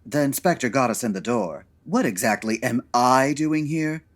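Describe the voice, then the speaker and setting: An actor playing a fussy, long-suffering gay best friend in a comic detective radio drama, arch, wry and aggrieved. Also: male voice, mid-range voice, animated, moderate pace, close to an everyday voice. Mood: wry grumbling. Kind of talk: comedic 1940s radio detective acting.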